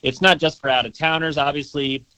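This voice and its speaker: A young man who works as a museum tour guide, answering interview questions eagerly and repeating words as he rushes. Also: a little high, steady tone, pushed and bright, dry recording, rough recording. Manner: eager, enthusiastic, repeats words when rushing.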